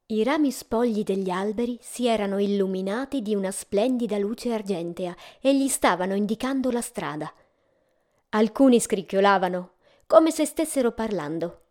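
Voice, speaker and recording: A woman gently narrating a fairy tale in a measured storytelling way. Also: mid-range voice.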